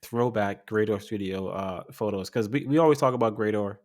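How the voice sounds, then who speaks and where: Young male co-host, low-ish voice, easygoing chatter, quick to laugh, repeats himself. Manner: relaxed, laughs often, repeats words. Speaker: podcast co-host. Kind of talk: casual chat.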